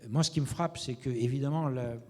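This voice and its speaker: A man leading a seminar, asking measured questions and thinking aloud about the findings. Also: medium pitch, a little mellow. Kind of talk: academic discussion. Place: lecture hall. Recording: reverberant lecture hall.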